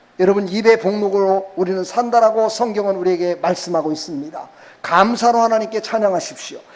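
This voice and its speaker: A man speaks in a high voice with ordinary pitch variation. Background noise is noticeable. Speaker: pastor. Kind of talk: sermon. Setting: church. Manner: fast.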